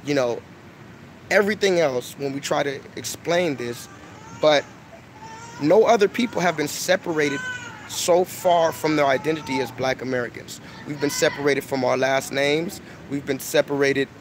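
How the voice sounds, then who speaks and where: Brief: young man, emphatic preachy vlogger, higher-pitched voice, loud street noise behind. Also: normal speed. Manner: emphatic, repeats himself, lectures. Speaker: online video host. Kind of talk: preachy casual monologue. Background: street noise, crying children.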